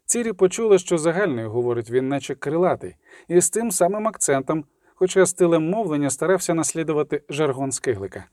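A male narrator reading a novel aloud. His voice sits a bit high and swings widely in pitch, and it is recorded close with a dry, dead sound. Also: animated, a little fast, darkish tone, dry recording. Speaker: audiobook narrator. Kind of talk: scripted narration.

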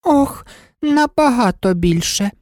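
A woman's voice: fairly high pitch, expressive, normal speed, a little mellow, no room sound, clean studio sound, pitched above the performer's own voice, natural voice. White Queen, a fretful complaining queen, as a woman puts her on. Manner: plaintive, complaining.

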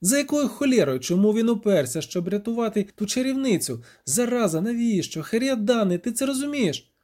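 A man voicing an excitable, cursing male bard in a fantasy audiobook. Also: sits high, fairly quick, pitched above the performer's own voice. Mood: anxious. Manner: agitated, exclaiming, swearing.

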